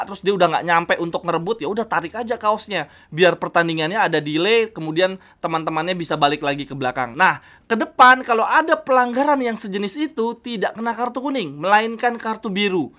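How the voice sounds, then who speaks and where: A woman's voice: medium pitch, a bit bright. A woman with a Jakarta Indonesian accent hosts casual football news commentary, chatting informally and often addressing her viewers directly. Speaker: host of a football news channel.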